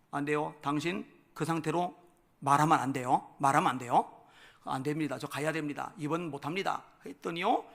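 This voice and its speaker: A male pastor giving a revival sermon in a church, moving from quiet personal stories to loud, shouted preaching. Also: a little high, creaky. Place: church sanctuary.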